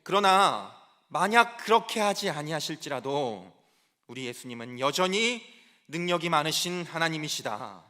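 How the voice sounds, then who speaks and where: A man's voice: fairly high pitch, sharp tone. A man, a junior pastor, preaching a sermon in church in an earnest way and repeating key phrases for emphasis.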